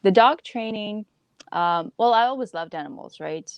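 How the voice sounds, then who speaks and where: A woman's voice: mid-range voice, moderate pace, clean tone, dry recording. A woman from Ukraine talks easily as a podcast guest, with a wry, offhand tone. Her voice sits in a middle range. It is recorded dry and close, with no room sound. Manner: relaxed, chatty and wry. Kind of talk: casual interview chat.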